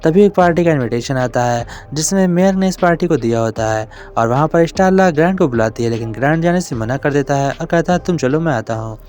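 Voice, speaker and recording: A man's voice: a little high, animated, quick pace, hardly any pauses, a little mellow. Man narrating a film recap. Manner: plain storytelling, leaning hard on intensifiers.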